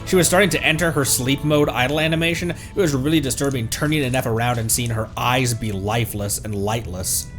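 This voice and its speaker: A man who streams games, reading aloud and commenting in a theatrical, deliberate way. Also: medium pitch, a bit bright, soft background music. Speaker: game streamer, VTuber.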